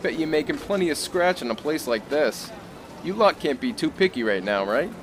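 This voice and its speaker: A man acts out a burly ex-military type with a shady job to offer. His voice sits on the high side and moves around a lot as he keeps up easy talk over nerves in an audio drama. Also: expressive, moderate pace, background noise, close to an everyday voice. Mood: probing, casual. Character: tense, musclebound military-jacketed man peddling a shady job.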